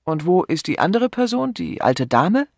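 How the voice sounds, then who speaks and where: A man's voice: sits high, very animated, normal speed, creaky, darkish tone, no echo, clean studio sound, pitched above the performer's own voice, exaggerated voice. A man voicing a shrewd older chief inspector who plays the genial country type and answers evasively. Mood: jovial.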